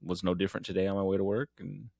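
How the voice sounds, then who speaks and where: A man's voice: sits low, little pitch movement, racing, gravelly, darkish tone, no echo, clean studio sound. A man co-hosting a casual podcast, laid-back and laughing easily, often trailing off and restarting. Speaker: podcast co-host. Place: small room in front of a green screen.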